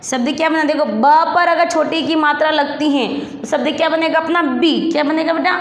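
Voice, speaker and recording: A woman teaching young children, drilling syllables slowly and asking the same questions again and again. She stretches out each word as she calls it. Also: sits high. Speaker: primary school teacher. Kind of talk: slow classroom drilling of syllables and words. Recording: echoey room with long reverb.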